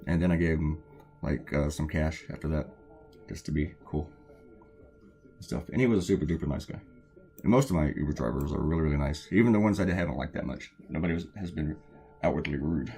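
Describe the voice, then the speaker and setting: A man chatting casually as he draws, telling rambling stories with lots of fillers, his voice a little hoarse and weak. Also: rumbling low, fairly quick, warm tone. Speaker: cartoonist. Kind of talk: casual chat while drawing.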